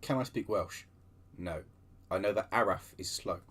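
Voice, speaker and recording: Husky low-voiced guy reading a book out loud, animated, chatting in between. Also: moderate pace. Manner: lively storytelling with chatty digressions. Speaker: channel host reading aloud. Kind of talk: reading book extracts with asides.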